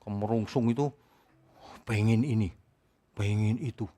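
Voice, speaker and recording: A male pastor preaching a sermon in a church service, talking in a joking, conversational way that swings between loud exclamations and quiet asides. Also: on the low side, steady tone, measured pace.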